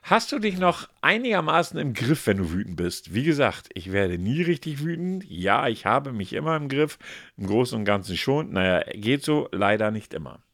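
Man, casual podcast host, reading quiz options aloud, animated voice, dry close mic. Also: mid-range voice, moderate pace, few pauses, no room sound. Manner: reads answer options aloud in a lively, playful tone.

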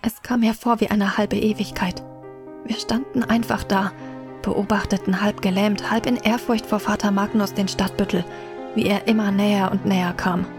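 A woman playing a reflective first-person narrator in a German radio play, telling a medieval tale in measured literary style. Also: mid-range voice, fairly even intonation, natural voice. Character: reflective female narrator recalling her medieval childhood. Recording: music behind the voice.

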